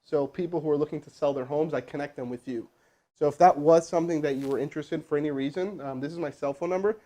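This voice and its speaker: A man hosting a live stream as a sales trainer, energetic and casual, with chatty asides to his crew. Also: a little high, fast talker. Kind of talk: hyped live-stream coaching and cold calling. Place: indoor room with crew present.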